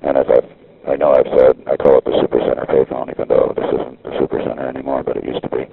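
A man's voice: very deep voice, completely flat delivery, gravelly, husky, dry recording, phone-quality sound. A man on a street payphone, rambling in a casual monologue and restarting his sentences often, heard through a payphone line. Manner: halting, with frequent restarts. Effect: talking over a payphone line. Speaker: caller recording a phone message.

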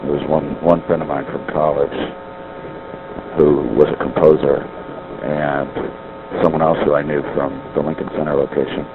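Very deep man rambling over a payphone. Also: level tone, moderate pace, background noise. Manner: musing, digressive, self-correcting. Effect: heard over a payphone line. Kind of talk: rambling monologue on a phone line. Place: city street payphones. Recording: dull lo-fi payphone line.

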